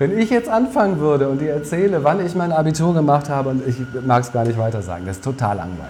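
Very fast, fairly high male speech with very wide pitch swings over noticeable background noise. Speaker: presentation and moderation trainer, podcaster. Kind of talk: interview conversation. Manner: calm, not nervous.

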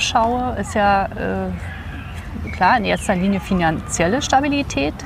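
Noticeable background noise behind a woman's voice. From Berlin, Germany. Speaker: business consultant. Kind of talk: interview. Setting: outdoors in a park.

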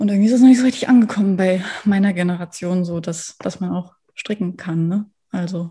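A woman speaks fairly quickly in a dark, mellow tone. Her voice is somewhat breathy, with ordinary pitch variation. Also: medium pitch for a woman. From Germany, bilingual German-Danish. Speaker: hobby knitter and knitting pattern designer. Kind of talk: casual interview chat.

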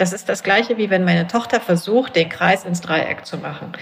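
A woman at a medium pitch talks at a fairly quick pace with lively intonation over noticeable background noise. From Rostock, northeastern Germany. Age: 30s. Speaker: tech entrepreneur and product manager. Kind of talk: interview conversation.

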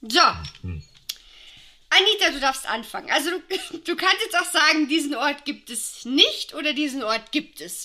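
In a Bavarian accent, a woman projects a raised, high, bright and sharp voice with lively intonation, speaking fairly slowly with long, frequent pauses. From Upper Bavaria. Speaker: podcast host. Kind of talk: game show hosting.

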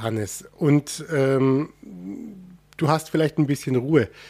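A man talks at a fairly slow pace, his voice somewhat breathy. His pitch varies in an ordinary way. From Baden (southwest Germany). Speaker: podcast host. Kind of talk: casual interview.

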